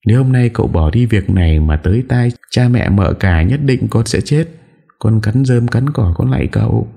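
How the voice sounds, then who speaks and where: A frightened young servant girl begs and cries in a high, strained voice, as a male narrator puts her on. Every phrase comes out pleading. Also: animated, normal speed, vocal fry, mellow, slightly rough, heavily acted. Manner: pleading, crying.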